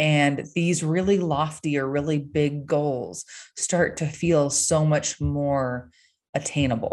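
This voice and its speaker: Against a quiet background, a woman speaks at a very slow pace. Her very deep, low voice stays at a very even loudness. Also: fairly even intonation. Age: 30s. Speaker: finance podcast host. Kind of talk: solo podcast monologue.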